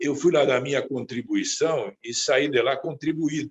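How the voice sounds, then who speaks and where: A man's fairly high, somewhat breathy voice with ordinary pitch variation at a fairly slow pace. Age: 70s. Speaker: sports executive. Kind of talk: interview. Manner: animated.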